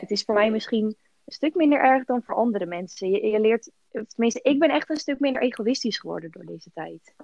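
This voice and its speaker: Speaking in a normal speaking voice at a fairly quick pace, a woman with a fairly high pitch shows lively intonation and big swings in loudness, in a dry, close sound with no echo. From Netherlands, Purmerend (North Holland). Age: 20s. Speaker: nursing home worker and nursing student. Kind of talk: casual chat.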